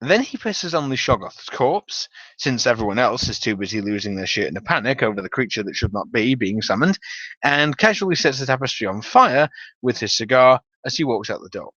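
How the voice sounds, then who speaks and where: Animated man narrating a dramatic comic tale. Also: medium pitch, a little fast, no echo, dull audio. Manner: theatrical storytelling with wry emphasis. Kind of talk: dramatic reading of a comic tabletop-game story.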